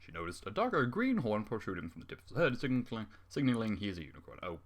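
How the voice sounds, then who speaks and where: A man's voice: on the low side, very animated, fast. A man reading fan fiction aloud with running commentary, exasperated and sarcastic, swearing often.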